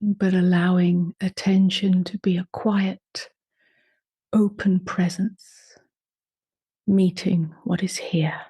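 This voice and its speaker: A woman leading a guided meditation in a soft, unhurried voice that often drops to a half-whisper. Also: on the low side, level tone, slightly rough, no room sound. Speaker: meditation teacher.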